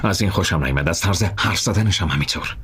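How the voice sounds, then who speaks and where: A man's voice: low voice, lively intonation, a bit bright. A man narrating a tense story in the first person, with careful, detailed storytelling. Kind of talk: audiobook storytelling.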